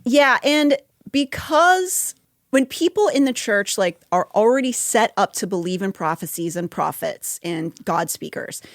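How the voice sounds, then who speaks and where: Woman podcast co-host, wry and conversational, mid pitch, dead-dry close mic. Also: lively intonation, unhurried, no room sound. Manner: wry, chatty, frequent laughs and asides.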